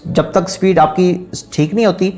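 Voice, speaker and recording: A man's voice: sits high, fairly even intonation, darkish tone, faint music behind. Urdu-accented man teaching naat singing. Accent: Pakistani Urdu. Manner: instructive, polite, counts repetitions aloud, drawn-out sung phrases. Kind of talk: online singing lesson with sung demonstrations.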